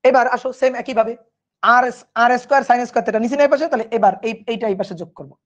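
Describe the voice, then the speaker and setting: A man teaching a physics lesson online, talking casually and often checking whether his students follow. At times he drops to a hushed voice. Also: extremely high pitch, fast talker, highs cut off. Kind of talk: online class lecture.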